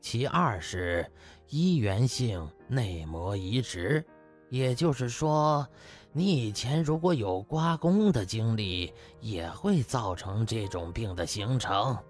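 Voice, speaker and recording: A man voicing a proud, patient older physician who explains things slowly and deliberately in an audio drama. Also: medium pitch, animated, soft background music. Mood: slow, explanatory. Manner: slow, deliberate explaining with pauses.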